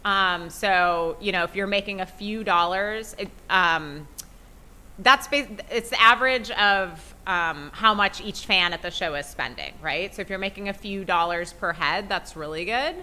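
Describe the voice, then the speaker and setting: A woman's voice: medium pitch, measured pace, pushed and bright. A woman hosting a podcast, explaining things to an audience in a casual, conversational way. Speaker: podcast host. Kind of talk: spoken presentation to an audience.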